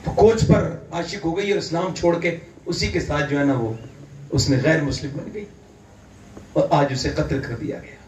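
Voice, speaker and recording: Fervent high-voiced male preacher, echoey. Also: steady tone, slight background noise. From India. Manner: fervent, rising to loud emphatic peaks. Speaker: Islamic preacher. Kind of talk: impassioned sermon. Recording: echoey hall, distant mic, faint ambience.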